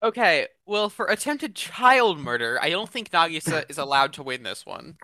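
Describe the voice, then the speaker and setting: A man's voice: a little high, sing-song, normal speed, bright, forceful tone, no echo. A man in casual banter as a podcast co-host, throwing in teasing, sardonic remarks.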